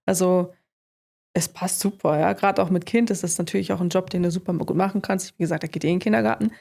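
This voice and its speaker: A woman's voice: fairly low pitch, fairly even intonation, fast talker, gravelly, a little mellow. A woman from Germany, a sales employee, answering interview questions in an upbeat, casual way. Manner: upbeat, affirming with frequent "ja".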